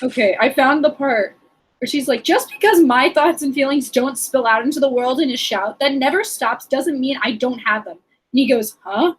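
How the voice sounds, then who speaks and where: A woman's voice: high-pitched, moderate pace, breathy edge. A young woman in a casual book chat, often quoting and acting out lines as she talks. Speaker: book discussion co-host.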